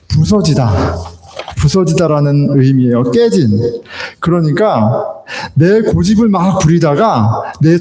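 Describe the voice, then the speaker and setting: Lively preaching man in an echoey hall. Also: sits high. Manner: lively preaching, voices imagined dialogue, laughs. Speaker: pastor. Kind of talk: sermon. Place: church sanctuary.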